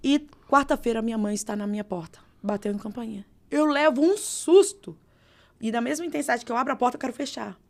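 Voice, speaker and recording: A woman pastor with a Brazilian accent, telling her testimony in a podcast interview with expressive, dramatic storytelling. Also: on the high side, very fast, vocal fry, hardly any pauses. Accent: Brazilian Portuguese. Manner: expressive, dramatic storytelling with vivid reenacted dialogue. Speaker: pastor, guest.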